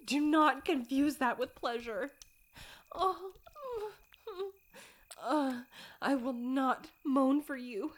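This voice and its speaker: A young woman playing a proper young lady who is trapped and pleading, speaking in formal, old-fashioned phrases with breathy whispered pleas. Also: sits high, very slow, long pauses, exaggerated voice. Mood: distressed, defiant. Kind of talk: solo audio roleplay.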